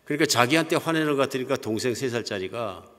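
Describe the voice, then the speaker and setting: A man's voice: mid-range voice, animated, quick pace. An older man, a pastor, preaching a sermon in a conversational storytelling manner. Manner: conversational, anecdotal storytelling with soft chuckles. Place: church sanctuary. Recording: long hall reverb.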